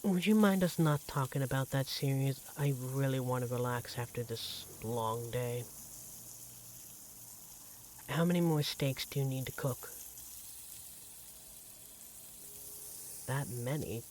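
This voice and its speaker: Casting: performer as a loving, playful vampire partner, mid-pitched, conversational ASMR roleplay, frying noise behind. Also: moderate pace, darkish tone, close to an everyday voice. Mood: casual, teasing. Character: affectionate teasing vampire partner working as a barista. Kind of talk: ASMR audio roleplay, one-sided domestic dialogue. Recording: clear background noise, sizzling frying pan.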